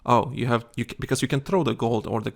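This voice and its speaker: A man's voice: medium pitch, fairly even intonation, fast, creaky. A tired man co-hosting a casual gaming chat show, rambling with many restarts and fillers. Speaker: podcast co-host.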